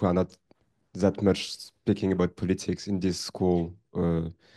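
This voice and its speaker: With a French accent, a man speaks at a moderate pace in a very deep, low voice, his delivery monotone and flat and his tone dark and mellow, over a quiet background. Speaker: student. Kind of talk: question from audience. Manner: halting.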